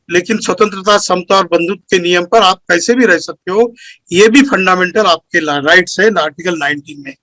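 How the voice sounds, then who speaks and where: High-pitched man giving an earnest speech. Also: bright, forceful tone, no room sound, rough recording. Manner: earnest, lecturing, lists points one by one. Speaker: speaker at a community meeting. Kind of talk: formal speech.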